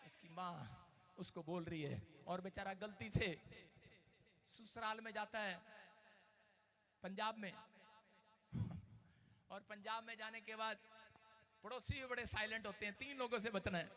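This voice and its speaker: A man from Haryana preaching in church, shouting calls to the congregation and telling jokey stories. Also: high voice, fairly even intonation, measured pace, pauses often. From Haryana, India. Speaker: pastor. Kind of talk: lively preaching with call-and-response. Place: church service.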